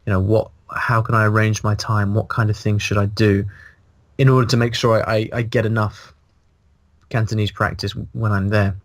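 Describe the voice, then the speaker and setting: A man in his thirties, a guest on a video call, talking in a casual, animated way and restarting his sentences as he thinks aloud. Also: on the low side, normal speed, dry recording. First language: English. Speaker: guest, language blogger. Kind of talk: casual interview. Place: small room indoors. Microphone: video call, earphones, mic in front.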